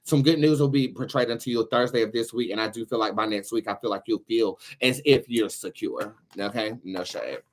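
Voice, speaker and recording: A man's voice: fairly low pitch, brisk, few pauses, noisy background. Brash, sassy male tarot host. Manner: brash, sassy, swears freely. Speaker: tarot reader, show host. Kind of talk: casual live tarot reading chat to viewers.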